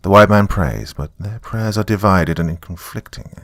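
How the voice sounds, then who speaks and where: A man's voice: low voice, normal speed, a bit bright, dry recording. A man voicing a solemn Native American elder who gives a grave, portentous warning in a horror story. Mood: foreboding warning. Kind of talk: dramatic reading in a horror story.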